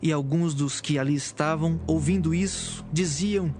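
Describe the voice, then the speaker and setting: Male Bible narrator, slightly high voice, reading a script over background music. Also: normal speed. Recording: music behind the voice.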